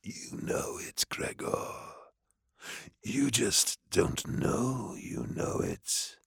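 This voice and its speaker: A demonic host: cavernous, gravelly, unhurried menace. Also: male voice, a bit bright, studio quality, exaggerated voice. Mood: whispering. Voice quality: very deep gravelly voice, slow and measured. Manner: taunting, intimate, drops into whispers. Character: ancient male demon host, menacing and coldly manipulative. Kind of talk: audiobook character voice.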